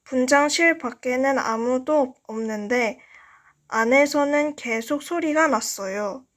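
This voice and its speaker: A high-pitched woman reads a story aloud at an unhurried pace. She is an amateur narrator who takes care over each sentence. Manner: slow, careful reading with stumbles. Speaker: amateur audiobook reader. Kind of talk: reading a novel aloud.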